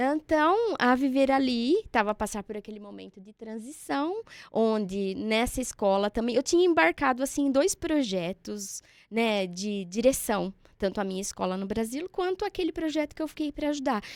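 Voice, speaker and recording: Fairly high-pitched and at a moderate pace, a woman speaks with very wide pitch swings and big swings in loudness on a very clean recording with a silent background. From Brazil. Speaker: early childhood neuroeducator. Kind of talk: podcast interview.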